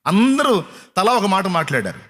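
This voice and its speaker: A man's voice: sits high, big pitch swings, moderate pace, fairly bright tone. A man preaching a sermon, firing rhetorical questions at his listeners and mocking their complaints.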